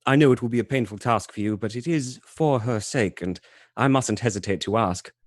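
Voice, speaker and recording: A man playing a worried, polite young gentleman in a live radio play, formal and delicate in manner. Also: mid-range voice, fairly quick, dry recording, studio quality, natural voice. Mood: worried appeal.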